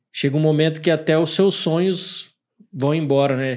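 At a fairly slow pace, a man speaks in an unremarkable speaking voice with ordinary pitch variation. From Brazil. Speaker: podcast co-host. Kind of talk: casual chat. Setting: studio.

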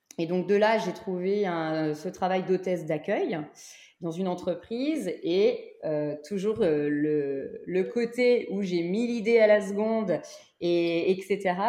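Slowly, at a very slow pace, a woman speaks at medium pitch with a dark, mellow tone and ordinary pitch variation. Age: 30s. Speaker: shop owner. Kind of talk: interview.

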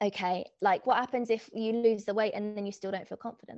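A woman with a normal speaking voice, fairly high pitch, fairly even intonation and a fairly quick pace. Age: 30s. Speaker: nursing student. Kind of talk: casual chat.

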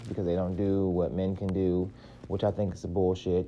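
A man speaks at a moderate pace. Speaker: podcast host. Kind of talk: casual chat, podcast monologue and roundtable. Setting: recording on the go with background noise. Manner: animated, slangy, sassy.

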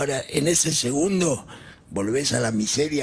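A man in a Rioplatense accent, his intonation lively and his pace moderate. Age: 60s. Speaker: TV producer. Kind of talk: radio interview.

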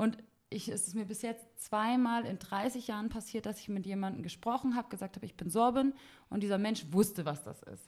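A woman with a fairly high, somewhat breathy voice speaks at a fairly quick pace, her pitch varying in an ordinary way while her loudness swings widely. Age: 30s. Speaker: theatre educator and anti-racism activist. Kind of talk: casual interview.

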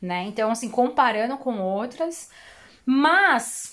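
A woman with a high pitch and lively intonation. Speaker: amateur marathon runner. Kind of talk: casual chat. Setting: hotel room.

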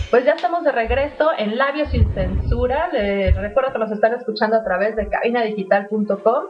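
Over noticeable background noise, a woman talks at a fairly high pitch in a Mexican accent. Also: ordinary pitch variation, moderate pace, hardly any pauses. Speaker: internet radio host. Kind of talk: casual chat. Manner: animated.

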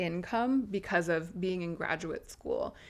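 A woman with an American accent and an unremarkable speaking voice, medium pitch and ordinary pitch variation. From US, Maryland. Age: 30s. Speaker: YouTuber. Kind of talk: casual chat. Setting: studio.

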